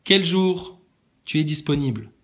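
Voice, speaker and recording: Casting: mocking male commentator, combative rant, pitch jumping up and down. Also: animated, measured pace, fairly bright tone. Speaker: online commentator. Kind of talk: ranting monologue to commenters.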